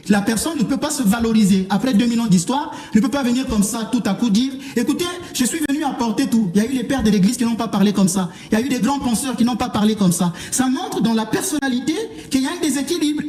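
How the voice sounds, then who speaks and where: Very high-pitched, fast-talking man debating. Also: darkish tone. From Africa. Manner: argumentative, lecturing, reproachful. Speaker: clergyman debating as a guest. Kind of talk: televised religious debate. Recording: roomy, echoing sound.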